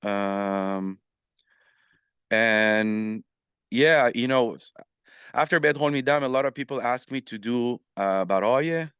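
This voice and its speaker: A man with a smooth, resonant voice tells his story as a podcast guest. He talks in an animated, casual way, with plenty of fillers and restarts. The sound is dry and close, with no room echo. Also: mid-range voice, slow pace, long pauses. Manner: animated, many fillers and restarts, acts out quoted messages. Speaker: podcast guest, musician and influencer.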